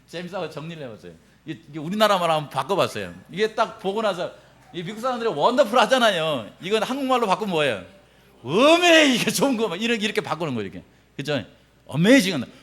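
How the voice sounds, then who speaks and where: A middle-aged man preaching a sermon as pastor, animated, acting out quoted reactions and laughing often. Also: high-pitched.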